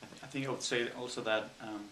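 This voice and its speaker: A man from Spain with a Spanish accent, an engineer answering interview questions thoughtfully with frequent pauses and ums. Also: mid-range voice, fairly even intonation, pushed and bright, roomy sound, a little hiss or hum, rough recording. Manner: thoughtful, hesitant with many ums.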